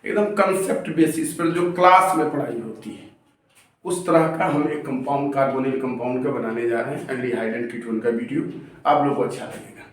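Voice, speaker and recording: A man teaching chemistry as a classroom lecture, repeating key terms slowly and stretching them for emphasis. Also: mid-range voice. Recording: very echoey room, voice from a distance.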